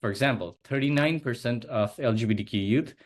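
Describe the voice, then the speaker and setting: A man's voice: mid-range voice, brisk. A man from Nepal, probably in his thirties, giving an earnest slide presentation on a video call, often using small fillers as he talks. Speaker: advocacy presenter.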